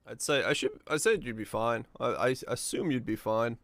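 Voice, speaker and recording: A hoarse man with a raspy voice that fades out chats casually while streaming a game, commenting in a rambling, halting way and swearing now and then. His voice is mid-range and fairly bright, with no room sound.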